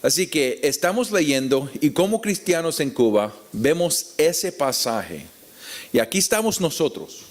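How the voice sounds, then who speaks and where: Slow-paced Puerto Rican man teaching. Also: fairly high pitch, big pitch swings. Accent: Puerto Rican Spanish. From Puerto Rico. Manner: deliberate, explanatory, with rhetorical questions. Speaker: preacher teaching at a conference. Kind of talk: expository Bible teaching to an audience.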